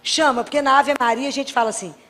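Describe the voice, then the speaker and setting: A Catholic doctor giving a faith talk, telling anecdotes and acting out dialogues with wry humor. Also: female voice, high voice, steady tone, quick pace, pushed and bright, in a large hall. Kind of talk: preaching talk with lively anecdotes.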